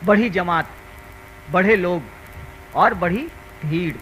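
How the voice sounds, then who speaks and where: A man's voice: sits high, slow, a bit bright, faint music behind, poor audio. An older man giving a spiritual discourse as a teacher, telling stories in a conversational, earnest and emphatic way.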